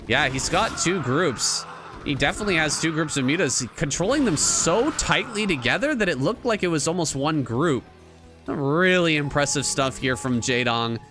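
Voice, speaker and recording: A man giving solo play-by-play commentary on a strategy video game, excited and rambling, while losing his voice. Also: on the high side, moderate pace, faint music behind. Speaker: game caster.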